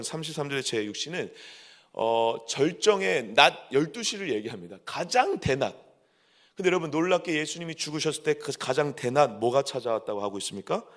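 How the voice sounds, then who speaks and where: A man preaching a sermon as pastor, earnest and building to fervent emphasis with repeated phrases. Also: medium pitch.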